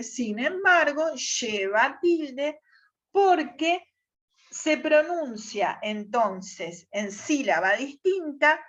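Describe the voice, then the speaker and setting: A woman teacher explaining spelling rules to her class, often checking in with a quick "tá?". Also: on the high side, a bit bright, highs cut off. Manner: checks understanding with frequent "¿tá?". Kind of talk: classroom lesson on Spanish accent rules.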